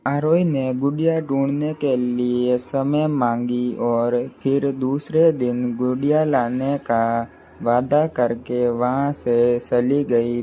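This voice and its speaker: A man narrating a short emotional story at a slow, halting pace. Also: medium pitch, warm tone. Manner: slow, halting reading with restarts.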